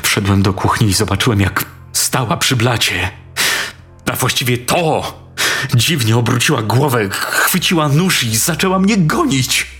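A man's voice: mid-range voice, moderate pace, faint music behind, pitched above the performer's own voice, natural voice. A man doing a frantic swearing young man. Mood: panicked. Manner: frantic, shouting curses. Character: panicked young man of twenty-two, swearing.

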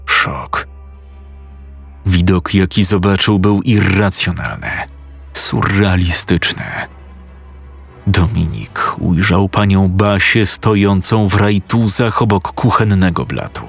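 A man narrating a scripted horror story in a steady, suspenseful way. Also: on the low side, gravelly, husky. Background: faint music.

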